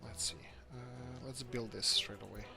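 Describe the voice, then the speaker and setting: A man's voice: medium pitch, fairly even intonation, measured pace, creaky. Man thinking aloud. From Croatia. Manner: thinks aloud while building, searching for words. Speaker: game video host. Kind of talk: let's-play commentary. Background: background music.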